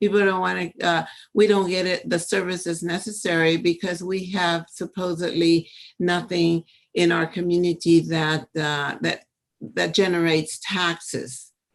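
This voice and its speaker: A woman's fairly low, flat, monotone voice at a moderate pace. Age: 60s. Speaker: public commenter at hearing. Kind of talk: public comment testimony. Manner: halting, many fillers.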